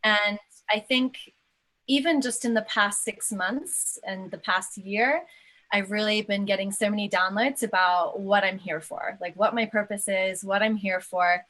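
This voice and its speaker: A woman from England, a soft-spoken and reflective guest in a casual interview over a video call. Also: medium pitch, unhurried.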